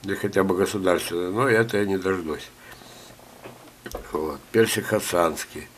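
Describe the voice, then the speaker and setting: An older man with a low voice talks through a gardening lesson at home and keeps stopping to cough. He reads letters aloud and drifts into chatty, joking asides. A faint hum sits behind him. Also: normal speed, fairly bright tone. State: ill, coughing. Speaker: gardening teacher. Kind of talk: screen-share talk reading viewer letters.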